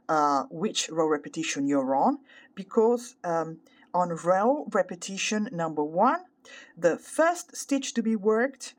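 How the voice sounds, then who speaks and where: A woman with an Italian accent, a native Italian speaker, explaining a craft tutorial carefully, step by step and with pauses. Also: on the low side. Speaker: crochet tutorial host. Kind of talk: instructional craft tutorial, unscripted.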